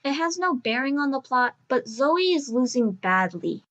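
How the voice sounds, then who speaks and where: A woman's voice: high-pitched, sing-song, normal speed, dull audio. A woman reading scripted narration for an audio drama.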